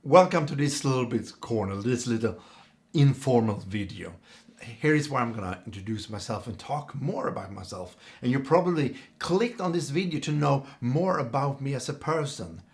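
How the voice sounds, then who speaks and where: A middle-aged Swedish man with a Swedish accent, speaking English as a second language, casually introducing himself to camera with many pauses and fillers. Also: medium pitch, expressive. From Sweden. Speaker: channel host.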